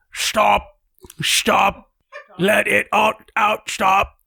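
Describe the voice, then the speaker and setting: A put-on character voice sits at a middle pitch. It sounds raspy. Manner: shouting.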